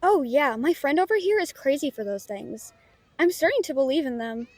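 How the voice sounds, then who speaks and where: A woman's voice: high-pitched, animated, normal speed, darkish tone. A woman playing a casual, friendly female novelist in an audio drama, with an informal, slightly hesitant way of talking. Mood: chatty, bemused. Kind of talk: naturalistic audio roleplay acting.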